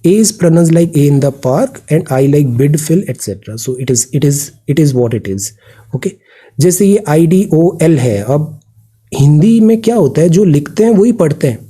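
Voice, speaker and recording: A man's voice: on the high side, dark tone, breathy edge. A man teaching a current affairs exam prep lesson, mixing Hindi and English with an Indian English accent, explaining words and asking students questions. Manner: explanatory, drills pronunciation, asks students questions.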